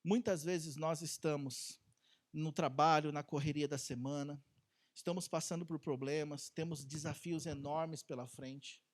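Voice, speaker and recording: A man with a Brazilian Portuguese accent preaches to his church in a loose, conversational way. He keeps asking the congregation questions and tells stories from his own life. His voice drops into quiet asides and then rises into loud, high bursts. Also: measured pace. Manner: animated, with rhetorical questions to the congregation; swings between soft low asides and loud high bursts. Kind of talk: conversational Sunday sermon.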